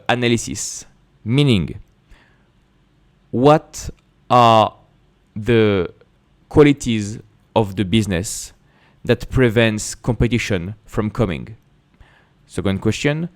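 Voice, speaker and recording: A man with a French accent, a native French speaker, host of an investing channel, talking to camera in an emphatic way with rhetorical questions. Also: mid-range voice. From France. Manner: emphatic, repeats words and restarts, rhetorical questions. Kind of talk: casual explanatory talk to camera.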